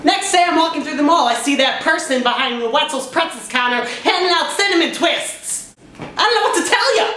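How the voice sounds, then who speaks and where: A man's voice: extremely high pitch, lively intonation, normal speed, pushed and bright, full character voice. A young man playing a gossipy, giggly online dater in a comedy character sketch. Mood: amused. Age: young adult. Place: indoors, room at home. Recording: roomy, faint background noise.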